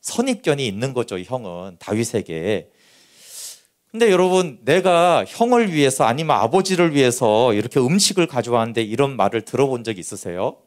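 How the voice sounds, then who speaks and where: Male pastor preaching with a lively, rising-and-falling delivery; questions the congregation often. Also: medium pitch, normal speed. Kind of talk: Sunday sermon.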